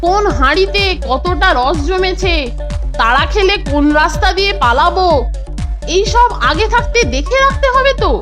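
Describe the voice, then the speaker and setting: A woman's voice: extremely high pitch, animated, normal speed. A woman voicing a timid, pleading young schoolboy with a scheming streak in a cartoon. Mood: falsely obedient. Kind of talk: cartoon voice acting. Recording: music behind the voice. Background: music.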